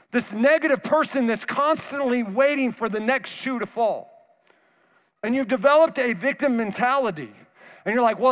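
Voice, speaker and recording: A middle-aged male pastor preaching a sermon, conversational and animated, acting out the voices he quotes. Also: sits high. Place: large church hall. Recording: long hall reverb.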